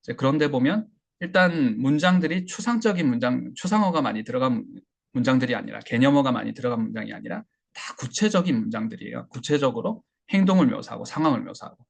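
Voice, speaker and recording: Gravelly-voiced man teaching a class. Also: medium pitch, fast talker. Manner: relaxed, explanatory, many fillers and restarts. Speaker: English listening instructor. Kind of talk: online class lecture.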